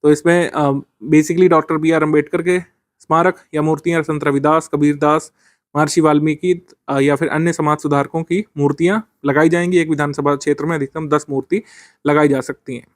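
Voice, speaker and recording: A man's voice: fairly high pitch, flat delivery, brisk, no echo, studio quality. A man teaching current affairs for a civil services exam, explaining step by step with frequent fillers.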